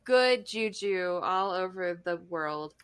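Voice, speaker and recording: A woman's voice: on the low side, expressive, slow pace, fairly bright tone, clear, resonant tone. A woman co-hosting a podcast in casual chat, with an informal, playful way of talking. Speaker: podcast co-host.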